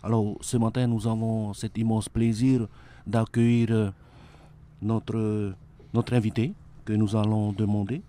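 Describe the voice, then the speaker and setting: Low-voiced male radio host, hesitant. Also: little pitch movement, a little slow, warm tone. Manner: hesitant, many "euh" between phrases. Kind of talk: radio interview. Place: radio studio.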